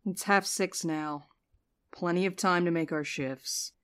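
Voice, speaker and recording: A woman's voice: on the low side, fairly even intonation, a little slow, fairly bright tone. A woman playing a wry, guarded, sleep-deprived mail courier in an audio drama, speaking in a dry, weary way. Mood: wry, tired. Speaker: lead actor in a fiction podcast. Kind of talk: naturalistic audio drama acting.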